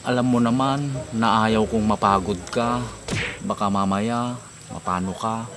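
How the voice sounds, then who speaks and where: A man acting as an affectionate, teasing husband in a comedy skit, flattering his wife and calling her darling. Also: on the low side, measured pace, noisy background, natural voice. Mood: playful, flattering. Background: background music.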